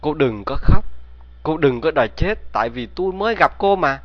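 A man voicing an eager, smitten young man who makes hushed, earnest promises, in a dull lo-fi recording. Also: fairly high pitch, lively intonation, moderate pace, no echo, close to an everyday voice.

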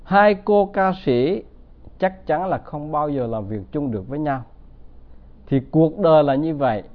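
A man gives a Buddhist dharma talk in a somewhat high voice. He tells stories and keeps checking that the audience agrees. The sound is thin and tinny, like a phone line. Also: expressive, unhurried. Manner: storytelling, asking the audience for agreement. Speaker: Buddhist teacher.

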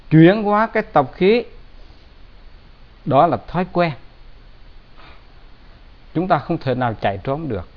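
A man giving a Buddhist dharma talk in a plain, conversational way with gentle humor. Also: a little high. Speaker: Buddhist teacher. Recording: dull lo-fi recording.

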